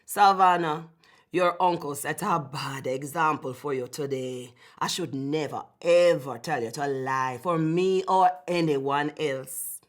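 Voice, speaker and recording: Woman playing a sheepish, evasive uncle. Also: deep voice. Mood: sheepish, apologetic. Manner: hurried, sighing, colloquial.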